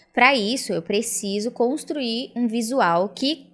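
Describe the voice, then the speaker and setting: Her intonation moves in a lively way. This woman speaks at a high pitch. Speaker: talk show host and mentor. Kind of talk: interview conversation.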